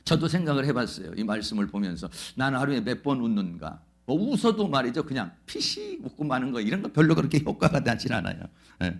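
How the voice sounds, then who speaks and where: Male pastor, sermon, fervent proclaimer, animated up-and-down delivery. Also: mid-range voice, fast talker, vocal fry. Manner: fervent, proclaiming declarations, asks and answers his own questions. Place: church Sunday service.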